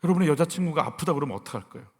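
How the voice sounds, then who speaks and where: A middle-aged man preaching a sermon as senior pastor, acting out voices and sighs and moving between loud and hushed delivery. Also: a little high, animated, racing, long reverb tail. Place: church sanctuary.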